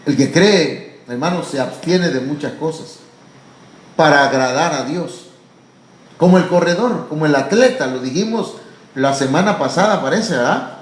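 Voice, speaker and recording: A man preaching a sermon as pastor, fervent and often addressing listeners as brother, sometimes rising to loud drawn-out cries. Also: a little high, lively intonation, reverberant, low-quality recording. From Mexico. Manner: fervent, repeatedly calling listeners "hermano"; rises to loud, drawn-out cries when acting out pleas. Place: church.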